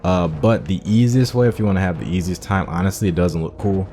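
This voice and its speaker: A young adult man hosting a gaming channel, giving relaxed, explanatory gameplay commentary. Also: low voice, a little fast, faint music behind. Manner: relaxed, explanatory, uses fillers.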